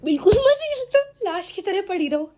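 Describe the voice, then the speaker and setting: A young woman jokes with her sister in a very high, lively voice. She teases in quick giggly lines, and faint household noise hums behind her. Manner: giggly, teasing.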